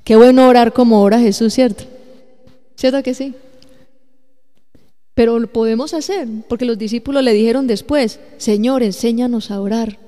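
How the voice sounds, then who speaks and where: A woman's voice: a little high, moderate pace, pauses often, big-room sound. A woman pastor preaching a sermon, often questioning her congregation. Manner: animated, asks the congregation questions. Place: church.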